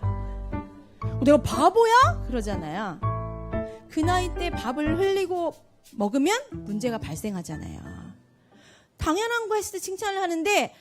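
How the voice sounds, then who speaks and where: High, lively woman giving a parenting talk. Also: soft background music. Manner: acts out parents' and kids' lines in quick voices; asks the audience questions and answers them. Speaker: parenting speaker.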